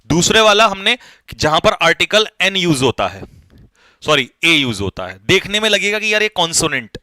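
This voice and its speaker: A man teaches an online English grammar lesson, pushing his students to hurry. His voice is high and bright, and he keeps asking questions and answering them himself. The sound is dry and close to the mic. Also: sing-song, normal speed, dry recording. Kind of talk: online exam-prep lesson.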